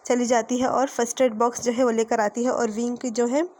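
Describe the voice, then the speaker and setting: A woman narrates a fan fiction story in a relaxed, conversational way, stopping for fillers and fixing her own slips. Her voice sits a little high yet sounds soft and mellow. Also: fairly quick.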